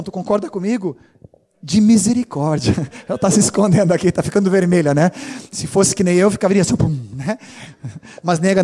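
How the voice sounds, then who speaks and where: High-voiced pastor. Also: male voice. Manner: animated, teasing, informal asides. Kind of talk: sermon.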